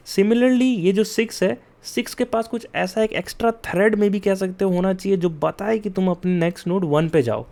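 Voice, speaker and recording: A young man explains coding in an easy, chatty way. He keeps turning to his students to check they are following, and he goes slowly so they can take notes. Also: sits high, gravelly, a little mellow. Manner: mixes Hindi and English, chatty with frequent "yaar" and "theek hai?"; addresses students directly and urges them to take notes. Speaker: coding tutor. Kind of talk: casual explained lesson.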